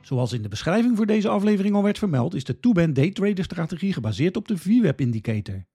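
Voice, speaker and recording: A man's voice: high-pitched, big pitch swings, quick pace, vocal fry, dark tone, breathy edge, faint music behind. A man from the Netherlands, hosting a podcast with scripted, instructional explanations addressed directly to the listener. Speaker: podcast host.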